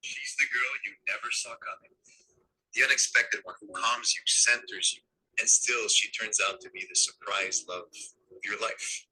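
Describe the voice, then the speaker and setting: A man reading a romantic voice-over in a slow, soft and breathy way. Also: lowish voice, fairly even intonation, poor audio. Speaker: voice-over narrator of a played reel.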